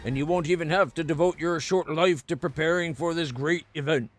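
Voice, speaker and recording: A man's voice: a little high, fairly quick, faint music behind, close to an everyday voice. A man voicing an arrogant undead lich in a sneering, gloating, haughty manner, reading fantasy game dialogue aloud.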